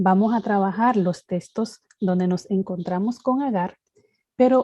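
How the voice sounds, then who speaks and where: At a fairly slow pace, a woman speaks in a dark, mellow, somewhat breathy tone with a dry, close sound and no echo. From Dominican Republic. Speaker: theology lecturer. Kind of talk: online course lecture.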